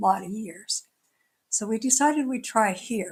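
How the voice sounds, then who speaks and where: A woman's somewhat breathy voice moves at a fairly unhurried pace. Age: 70s. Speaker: minister. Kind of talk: sermon. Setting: church service, streamed live.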